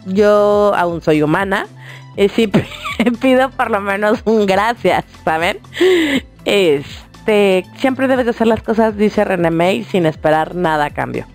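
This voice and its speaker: Animated and mid-range, the voice moves at a slow pace with faint music behind it. A Mexican-accented woman hosting radio chats informally, speaking directly to listeners while relating a long story about herself.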